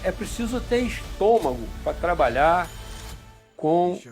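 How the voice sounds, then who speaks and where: A man, an espionage analyst commenting in an interview, slow and emphatic. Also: high-pitched, big pitch swings, over loud music.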